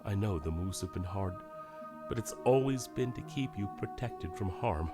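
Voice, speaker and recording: A man's voice: lowish voice, lively intonation, moderate pace, over music, natural voice. A man playing an anxious, protective middle-aged scientist father in an audio drama, speaking hesitantly, carefully and earnestly. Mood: gentle, apologetic.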